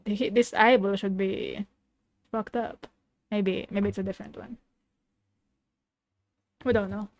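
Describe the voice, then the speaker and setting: High-pitched, animated woman reacting casually. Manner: exclamatory, informal swearing. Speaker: VTuber host.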